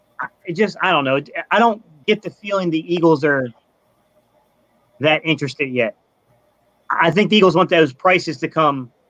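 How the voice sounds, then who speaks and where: A loud man speaks at a moderate pace with a high pitch and ordinary pitch variation. The sound is dry and close with no echo. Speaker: sports channel host. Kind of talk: casual chat.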